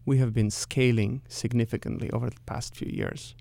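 A middle-aged man with a Russian accent, answering interview questions as a company executive in a measured, careful, explanatory way. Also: medium pitch, steady tone, vocal fry, dark tone, no echo.

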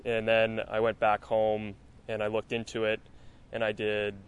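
A man's voice: fairly low pitch, measured pace, clear, resonant tone. A young man who rows in college and is from Massachusetts, telling his story in an interview. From Massachusetts, USA. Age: young adult. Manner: steady storytelling with fillers. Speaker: college rower. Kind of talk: interview answers.

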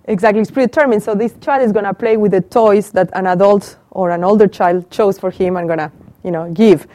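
A middle-aged Argentine woman with an Argentine Spanish accent, a professor, gives an interactive lecture to a small group in a small room with a live audience, speaking into a handheld mic. Her medium-pitched voice is brisk and mellow, with no echo. She asks the audience questions and repeats their answers.

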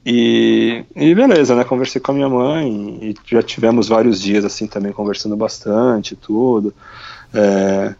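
A man with a Brazilian Portuguese accent, a guest on a podcast, casually telling a story from his bicycle travels, animated and full of slang fillers. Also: lowish voice, measured pace, creaky, muffled recording.

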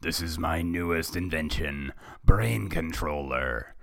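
A man's voice: rumbling low, creaky, dry recording, heavily acted. Man putting on a snarling, gloating villain boss. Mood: triumphant, commanding. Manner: menacing, drawn-out commanding delivery. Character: gloating evil male mastermind villain, short-tempered boss.

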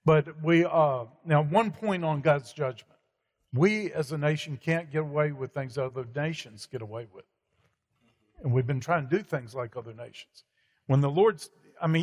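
A man talking in a preacherly, emphatic way with many fillers. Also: fairly high pitch. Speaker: guest speaker. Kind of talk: conversational preaching. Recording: hall reverb.

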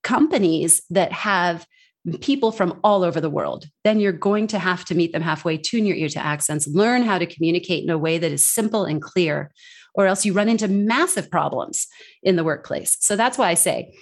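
A woman from the United States, a guest in a conversational interview, talking in a lively way and acting out what others said in a raised voice. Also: normal speed. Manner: animated, acts out quoted people in high voices. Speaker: guest speaker on accents and communication.

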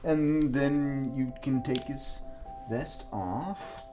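A man's voice: medium pitch, extremely slow, over music. A man talking casually as a podcast guest, good-humored, laughing at himself and often restarting his phrases. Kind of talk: casual conversation.

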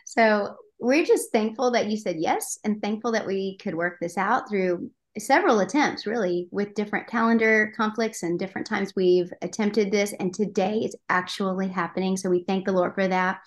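A woman's voice: mid-range voice, moderate pace, few pauses. A woman from Oklahoma hosting a podcast interview over a video call, gracious and faith-centered in how she talks. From Oklahoma, United States. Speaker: podcast host.

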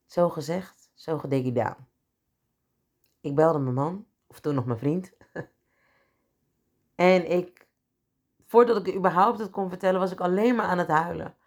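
A woman hosts her own podcast, telling a personal story with candour and strong feeling. Her voice sits a little low and has a gravelly edge. Now and then she acts out the voices in her head. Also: unhurried, long pauses, darkish tone. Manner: candid, emotional, acts out inner voices. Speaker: podcast host.

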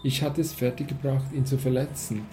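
A man reading a first-person literary story aloud in a measured way, with occasional slips and restarts. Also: medium pitch, level tone, mellow, faint music behind. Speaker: audiobook reader.

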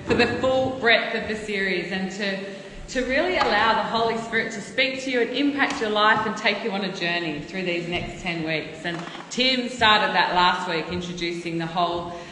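A woman's voice: medium pitch, moderate pace, pushed and bright. A woman in her thirties giving an earnest, storytelling sermon in a church, often restarting her sentences. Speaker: preacher. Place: church hall. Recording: echoey church hall, faint noise.

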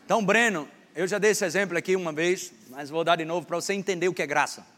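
Playful preacher in a reverberant hall. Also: male voice, sits high, quick pace. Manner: joking, teasing a volunteer, animated. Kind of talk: playful sermon with a stage demonstration. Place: church hall with a congregation. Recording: long hall reverb, faint background noise.

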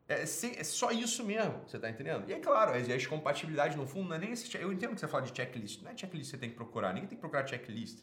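Fast-talking, blunt Brazilian man in an echoey room. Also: a little high, a bit bright. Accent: Brazilian Portuguese. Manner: blunt, swears often, emphatic. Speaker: advice show host answering a listener. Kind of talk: casual monologue reading and answering a listener email.

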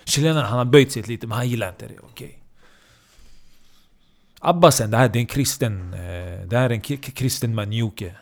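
A man's voice: medium pitch, vocal fry. Profane man telling a comic story. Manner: profane, animated, checks in with the listener. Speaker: comedian.

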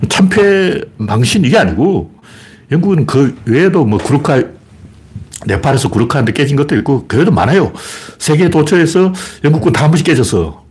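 A man with a Gyeongsang accent speaks in a deeply husky, raspy voice, with pitch that swings widely as he talks. He hosts a casual livestream, greeting viewers and rambling through opinionated, mocking commentary. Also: sing-song, moderate pace, a little mellow. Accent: Gyeongsang dialect. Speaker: livestream host.

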